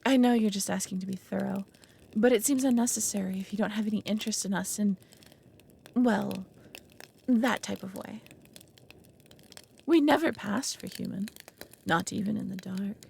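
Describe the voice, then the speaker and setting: A woman playing an anxious, possessive dragon in an ASMR roleplay, halting and formal, often dropping into breathy half-whispers. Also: mid-range voice, darkish tone, a little hiss or hum. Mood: flustered, coy. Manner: halting, earnest, formal wording. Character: anxious, lonely, possessive female dragon, awkwardly smitten. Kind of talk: ASMR roleplay audio drama.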